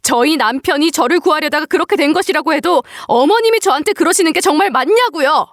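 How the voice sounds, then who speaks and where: A wounded young daughter-in-law pleads and finally talks back, voiced by a woman. Her high voice moves a lot in pitch. The sound is dry and close. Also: animated, a little fast, dry recording, natural voice. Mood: defiant. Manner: pleading, tearful defiance. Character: young widowed daughter-in-law, hurt but standing up. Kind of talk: dramatized story reading.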